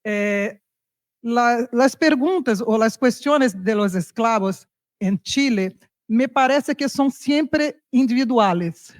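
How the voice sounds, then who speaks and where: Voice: medium pitch, takes it slowly, dry recording, clean studio sound. A native Portuguese speaker with a Brazilian accent asking a question in Spanish during a video-call seminar, searching for words. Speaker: seminar participant.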